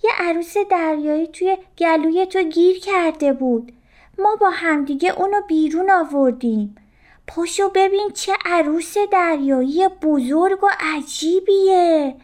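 A woman's voice: extremely high pitch, darkish tone, voice pushed up. A woman doing a chirpy little storybook fish. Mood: eager, worried. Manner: raised, urgent, childlike calls. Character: small young friendly fish, eager helper.

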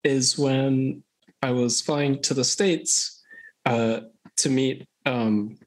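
Slow, hesitant young man. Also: mid-range voice, steady tone, rough recording. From Thailand. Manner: slow, hesitant, thoughtful, many restarts. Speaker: podcast guest. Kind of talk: casual interview chat.

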